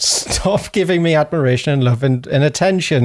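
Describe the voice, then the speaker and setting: At a fairly quick pace, a man with a British accent talks in a fairly high pitch with ordinary pitch variation. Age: 20s. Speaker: podcast co-host. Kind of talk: casual chat.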